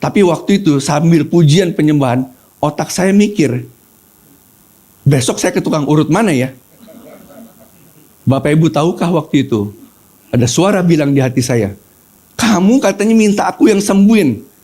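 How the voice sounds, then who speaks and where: Mellow-voiced man preaching a sermon. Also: on the high side, moderate pace, pauses often. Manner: storytelling with animated quoted voices, addresses congregation directly. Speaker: pastor.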